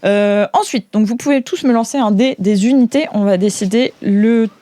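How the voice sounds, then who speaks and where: A woman game master with a mid-pitched voice narrates a tabletop role-play session. She speaks casually and hesitantly, slipping in playful verbal sound effects as she announces turns and rolls. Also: normal speed, dark tone, dry recording, studio quality.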